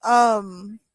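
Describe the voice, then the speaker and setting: A woman's voice: a little high, no echo, poor audio. A woman in her thirties chatting casually on a live wrestling watch-along, joking with her chat, laughing often and using lots of fillers. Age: 30s. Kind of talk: casual live-stream chat reading comments.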